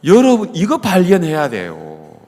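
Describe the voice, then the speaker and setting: A male pastor giving an animated sermon at a summer retreat, quizzing the audience and acting out voices. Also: sits high, measured pace. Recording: long reverb of a large hall.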